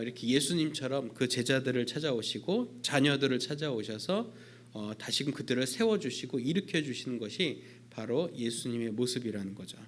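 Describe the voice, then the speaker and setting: A man, a youth pastor, preaching a sermon in a church service in a conversational way, with frequent fillers. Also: mid-range voice.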